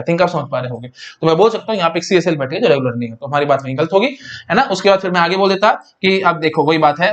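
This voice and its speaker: A man's voice: a little high, fairly bright tone. Chatty Hindi-English lecturing man. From India. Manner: chatty, repeats "है ना?" and "भाई", dictates slowly. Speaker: teacher.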